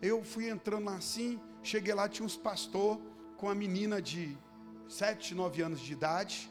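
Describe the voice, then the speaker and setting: A pastor preaches an impassioned sermon in a church hall, telling a story and acting out the voices of people he quotes. His voice is high at a moderate pace, with long hall reverb and faint music.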